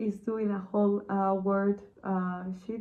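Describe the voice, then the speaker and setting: The speaker talks in a monotone, flat intonation with a Spanish accent. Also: woman. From Spain. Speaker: exchange student. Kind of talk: interview.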